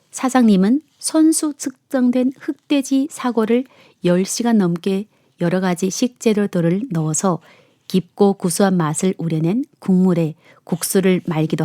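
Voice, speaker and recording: A woman's voice: medium pitch, dark tone, no echo. A woman presenting a radio program, reading listener letters and chatting in the studio.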